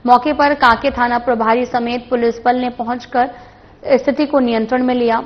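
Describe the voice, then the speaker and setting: A woman anchor reading a regional news bulletin in a steady, formal manner with small slips. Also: on the high side, moderate pace, highs cut off.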